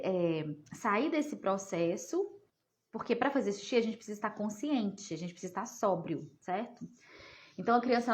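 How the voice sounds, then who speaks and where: This woman is a psychologist doing a relaxed live Q&A, chatty in manner, addressing viewers as "gente" and tossing in "né?" again and again. She speaks in a mid-range voice that's a touch mellow.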